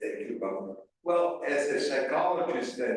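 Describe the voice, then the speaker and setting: Audible room echo trails a man's speech. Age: 70s. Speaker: psychologist and psychotherapist. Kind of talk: panel discussion. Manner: halting, many fillers.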